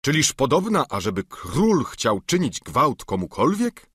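A man's voice: mid-range voice, huge pitch swings, a little slow, a bit bright, husky, dry recording, studio quality, pitched above the performer's own voice, full character voice. Don Quixote, a man doing a lofty old knight. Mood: indignant. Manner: formal, lofty. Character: courtly, grandiose aging nobleman knight. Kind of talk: audiobook character reading.

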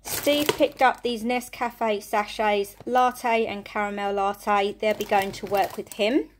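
Chatty mum showing a food haul. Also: female voice, medium pitch, a little hiss or hum. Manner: chatty, rambling, counts items aloud. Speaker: family vlogger. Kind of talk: casual food haul show-and-tell. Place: home kitchen, indoors.

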